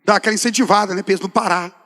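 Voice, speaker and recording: A man, a pastor telling a lively testimony in a sermon and acting out his talks with God in folksy asides. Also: high-pitched, very fast, long reverb tail. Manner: animated storyteller, acts out dialogue with God, folksy asides.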